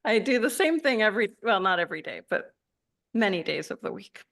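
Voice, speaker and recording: A woman from Argentina, a meditation teacher, chatting casually and gently with participants in a live session, rambling a little and laughing often. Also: mid-range voice, big pitch swings, fairly quick.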